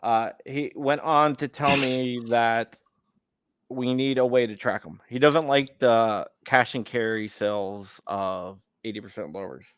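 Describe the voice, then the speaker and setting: A man hosting a casual call-in interview, relaxed and halting, often stammering and restarting. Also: mid-range voice, clean tone, no echo, clean studio sound. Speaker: host.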